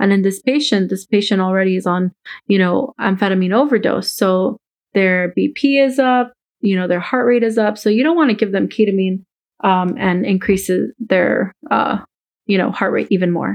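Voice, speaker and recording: A woman uses an ordinary speaking voice at medium pitch with ordinary pitch variation. Her pace is moderate and her loudness very even. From Orlando, Florida, US; family from Hyderabad, India. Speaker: medical student. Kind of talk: educational podcast chat.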